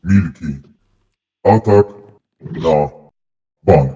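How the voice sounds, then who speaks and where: A man voicing a secretive masked male professor through a voice modulator that shifts his pitch very deep, speaking in slow, cryptic pronouncements. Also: dark tone. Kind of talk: game roleplay.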